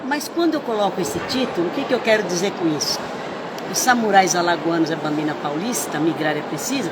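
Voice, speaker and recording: A woman's voice: lowish voice, quick pace, very noisy. An older woman born in Italy and raised in Brazil, an author talking reflectively about her book in an interview at a book fair.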